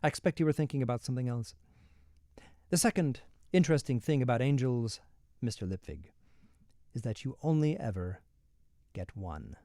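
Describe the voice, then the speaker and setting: A man with an American accent voicing an urbane, coolly menacing city ruler in a storybook reading, measured, dryly polite and ironic. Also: mid-range voice, expressive, warm tone, dry recording, clean studio sound, close to an everyday voice. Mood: dry, patronizing. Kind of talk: storybook dialogue read aloud.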